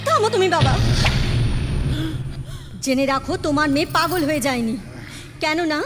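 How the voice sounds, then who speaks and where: A woman's voice: sits high, quick pace, over loud music, close to an everyday voice. An actress dubbing a young woman who pleads with and stands up to her father. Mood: defiant. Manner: pleading, then earnestly defiant. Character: defiant young daughter in love. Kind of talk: dubbed film dialogue. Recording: film soundtrack with reverb.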